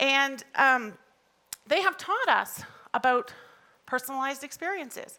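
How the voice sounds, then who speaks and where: A woman with a Canadian accent uses a raised, projected voice at a high pitch. Her tone is bright and sharp, and her pace is moderate. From Canada. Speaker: customer experience executive. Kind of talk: conference talk.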